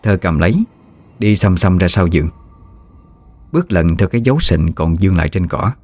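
Deep-voiced ghost story narrator. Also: male voice, animated, moderate pace, darkish tone, dry recording.

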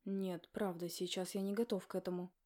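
A guilty husband pleads and insists, as a woman reading an audiobook puts him on. His voice sits low and flat, with a mellow, dark tone. His words press on in a steady run. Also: fairly quick, natural voice. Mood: pleading. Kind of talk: audiobook character voice.

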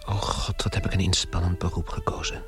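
A man playing a weary travelling salesman turned insect in a radio play, muttering his fretful, self-pitying inner thoughts in a breathy half-whisper. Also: sits low, flat delivery, a little fast, loud music behind the voice, lightly acted. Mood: weary complaint. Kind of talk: radio play interior monologue.

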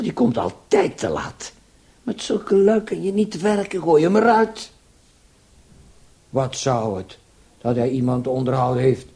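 A man's voice: mid-range voice, mellow. An actor playing a bumbling, grumbling male burglar in a radio play, stammering and muttering. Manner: stammering, muttering, easily sidetracked. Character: bumbling, excitable, grumbling male burglar reporting to his boss. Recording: noisy old radio play recording.

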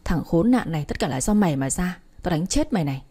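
A woman's voice: lowish voice, animated, fast, warm tone, husky. A woman voicing a spirited, feisty teenage girl. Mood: furious.

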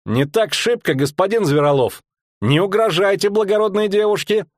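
A man's voice: high voice, moderate pace, dry recording, studio quality, voice pushed up, natural voice. A bold young squire, voiced by a man. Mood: stern.

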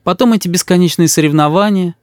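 A man voicing an anxious, tearful young mother who talks in a pleading, soft-hearted way. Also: sits high, fast, no room sound, studio quality, pitched above the performer's own voice, natural voice. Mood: agreeing.

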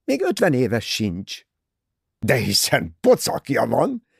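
A man's voice: mid-range voice, wildly swooping pitch, vocal fry, a bit bright, slightly rough, no room sound, clean studio sound, pitched above the performer's own voice, full character voice. A male reader voicing a self-willed young woman in an audiobook, answering in frank, matter-of-fact retorts. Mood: earnest.

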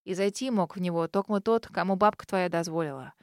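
A woman's voice: on the low side, fairly quick, no room sound, clean studio sound, voice pushed down, lightly acted. A woman voicing an old male house spirit who grumbles and whispers in folksy speech. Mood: grumbling advice.

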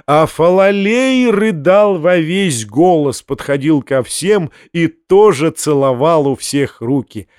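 Guy reading an audiobook, a bit high voice, dead dry close mic. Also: a little mellow, no echo. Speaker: audiobook narrator. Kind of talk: literary audiobook narration.

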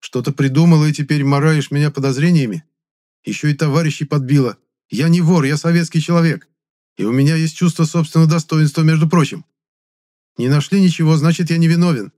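An indignant, sarcastic young man, played by the narrator himself defending his name. He speaks raised and forceful, slightly higher than his telling voice. The protest is sharp rather than tearful. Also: a little fast, natural voice.

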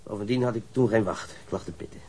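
A man's voice: on the low side, fast talker, a little mellow, slightly rough. An actor playing a surly, defensive young male ship's stoker in a radio crime drama, coarse and sullen, stammering when riled. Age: young adult.

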